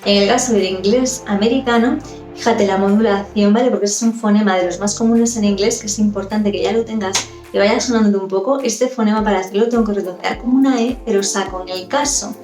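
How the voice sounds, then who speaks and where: A woman's voice: medium pitch, steady tone, brisk, a little mellow, faint music behind. Woman coaching pronunciation, echoey room. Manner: explains and demonstrates sounds, asks "¿vale?". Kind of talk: explanatory lesson.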